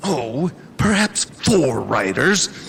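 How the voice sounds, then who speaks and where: Through clear background noise, a man performs a high-pitched, put-on character voice. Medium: audio drama. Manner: imperious, grandiose.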